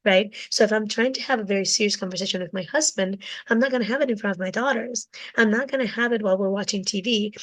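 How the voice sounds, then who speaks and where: A woman with a cold and a raspy voice, teaching communication from her office. She ends her points with "right?" tag questions. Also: medium pitch. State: has a cold. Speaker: communication coach. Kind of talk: direct-to-camera teaching talk.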